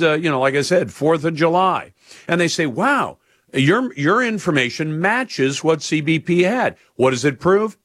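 Man, radio host, slightly high voice, dry close studio sound, emphatic and opinionated. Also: fairly bright tone, no room sound. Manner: emphatic, acts out quoted exchanges. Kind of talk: opinionated radio monologue and call-in.

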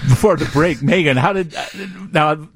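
A man's voice: on the high side, moderate pace, noisy background. A man hosting a late-night radio talk show, asking loose, chatty questions with restarts. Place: radio studio.

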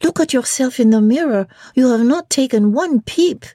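A woman voicing a fussy young French maid in a storybook reading, with high, sharp exclamations. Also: animated, normal speed, no echo, studio quality. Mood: insistent.

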